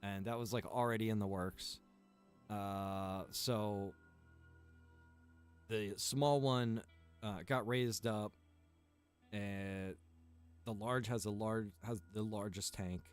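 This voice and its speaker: A man's voice: lowish voice, takes it slowly, long pauses, clean tone, faint music behind. A man who runs and develops a game server, chatting casually on a livestream, rambling with lots of fillers and listing features one by one.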